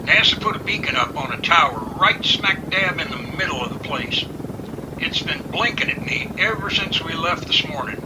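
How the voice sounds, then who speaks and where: A man playing an unruffled, teasing pilot in an amateur radio drama, confident and relaxed in his banter. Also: on the high side, moderate pace, very noisy, lightly acted. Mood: reassuring.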